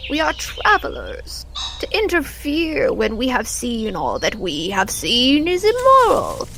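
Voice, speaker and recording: A woman's voice: sits high, gravelly, a bit bright, slight background noise, exaggerated voice. A woman voicing a stern, stuffy intergalactic turtle professor who lectures solemnly in an audio-drama tabletop game, with music behind. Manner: stick-in-the-mud, solemn lecturing.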